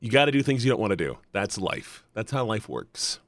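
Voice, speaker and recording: A man's voice: lowish voice, big pitch swings, brisk, a bit bright, no room sound, studio quality. A man talking casually on a livestream, rambling earnestly and bluntly and repeating himself for emphasis. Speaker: live streamer.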